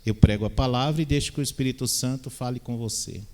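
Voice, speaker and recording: A pastor preaching a sermon, often asking the congregation "Amém?" and slipping in light-hearted asides. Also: male voice, mid-range voice, quick pace, darkish tone. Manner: call-and-response "Amém?" with playful asides. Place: church hall. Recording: long reverb of a church hall.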